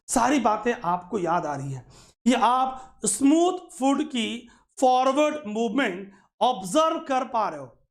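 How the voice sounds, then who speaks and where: A male teacher giving an exam-prep lecture, mixing English terms into his explanations, checking often whether it is clear and calling his viewers friends. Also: extremely high pitch. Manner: addresses viewers fondly as friends.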